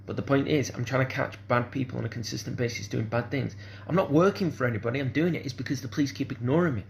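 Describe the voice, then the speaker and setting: A man's voice: mid-range voice, fast, gravelly, a little hiss or hum. A man, speaking in a rambling, hesitant monologue full of fillers and restarts. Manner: hesitant, repeats "kind of sort of", restarts often.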